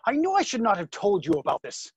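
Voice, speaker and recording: A man's voice: sits high, wildly swooping pitch, fast talker, slightly rough, exaggerated voice. A man in his thirties acting a defiant younger brother in love, in a dramatic staged reading. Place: small dim room at home. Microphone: computer mic on video call.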